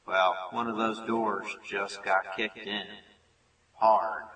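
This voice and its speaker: A man playing an earnest, secretive research teammate in an audio drama, serious and deliberate. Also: on the low side, steady tone, a bit bright, husky, heavily acted, rough recording. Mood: grave, hushed. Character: earnest, secretive male research teammate reporting a momentous find.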